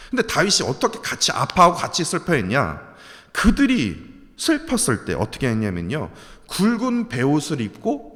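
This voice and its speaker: A man's voice: a little high, fairly bright tone, in a large hall. A man pastor giving an early morning sermon, preaching emphatically with a voice that rises and falls sharply. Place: church sanctuary.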